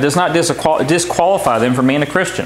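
Audible room echo surrounds a man's voice. He talks at a fairly quick pace over light background noise. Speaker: lay preacher. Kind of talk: sermon. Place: home room.

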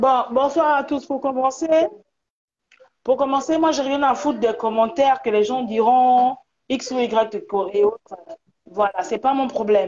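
A woman's high-pitched voice at a fairly slow pace, with long, frequent pauses and light background noise. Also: ordinary pitch variation. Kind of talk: testimony. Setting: online live stream. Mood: defiant, indignant. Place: home room. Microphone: video call.

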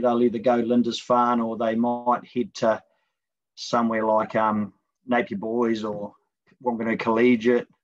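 In a New Zealand accent, a man speaks at medium pitch and a moderate pace. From New Zealand, Hawke's Bay. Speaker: teacher. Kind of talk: casual interview.

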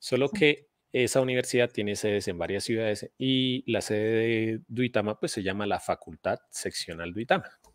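A man with a Colombian accent talks at a moderate pace with ordinary pitch variation and hardly any pauses. The background is quiet, and the sound is dry with no echo. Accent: Colombian Spanish (Boyacá). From Colombia, Boyacá. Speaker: math teacher and YouTuber; math teacher, YouTuber. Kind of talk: live stream chat. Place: home room. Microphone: studio mic.

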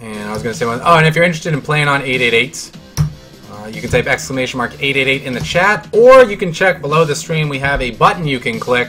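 A man talks very fast while music plays clearly behind him. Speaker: poker streamer. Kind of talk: casual live stream commentary.

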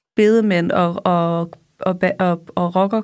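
Against a quiet background, a woman talks very slowly with monotone, flat intonation. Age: 20s. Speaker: podcast host. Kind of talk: casual chat. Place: studio. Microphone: studio mic.

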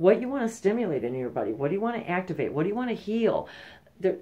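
A woman's dark, mellow tone with vocal fry, a very fast pace and very wide pitch swings. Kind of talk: casual spiritual talk to viewers. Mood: warm, enthusiastic, laughing at times. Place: home room. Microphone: phone near.

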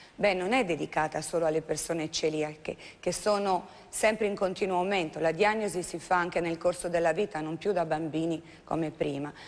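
This woman's voice sits fairly low in pitch, and she speaks at a fairly quick pace. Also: fairly even intonation. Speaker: TV presenter. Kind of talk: TV health talk show. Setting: studio. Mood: earnest, persuasive. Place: studio. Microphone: lapel.

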